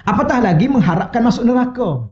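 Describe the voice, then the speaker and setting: A man's voice: extremely high pitch, big pitch swings, fast talker, a little mellow, muffled recording. A man with a Malaysian Malay accent giving a religious lecture in a mosque, humorous and acting out little dialogues. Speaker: religious teacher. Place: mosque hall. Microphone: wireless lavalier.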